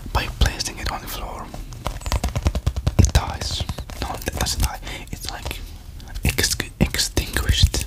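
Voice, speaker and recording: A whisper at a fairly slow pace, broken by long, frequent pauses, over noticeable background noise. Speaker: ASMR artist. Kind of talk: ASMR whispered rambling. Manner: whispered.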